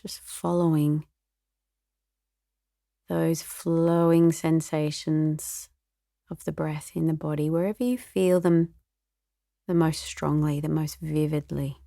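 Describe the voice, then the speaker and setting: Slow, low-voiced woman guiding meditation. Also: vocal fry, no room sound, clean studio sound. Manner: soothing, gentle, unhurried. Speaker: meditation teacher. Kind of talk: guided meditation.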